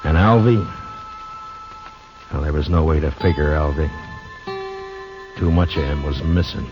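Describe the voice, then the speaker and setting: A calm, deep-voiced frontier marshal, old radio recording. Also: male voice. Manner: calm, wry, measured. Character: steady frontier marshal, grown man, calm and dry. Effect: old 1950s radio broadcast recording. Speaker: narrator and lead character. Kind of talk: 1950s radio drama acting and narration. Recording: muffled 1950s radio recording with music.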